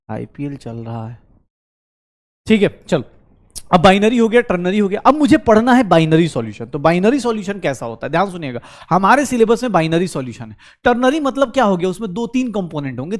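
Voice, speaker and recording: A male chemistry teacher, giving an online class lecture in a brisk, coaxing way, asking questions and answering them himself. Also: high voice. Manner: mixes Hindi with English terms, calls students beta.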